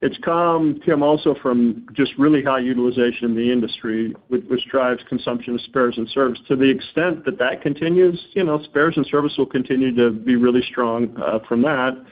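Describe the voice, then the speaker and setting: A man's voice: mid-range voice, normal speed, hardly any pauses. A man speaking as a company executive on an earnings call, answering questions informally and often repeating words as he goes. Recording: narrow phone-like conference line.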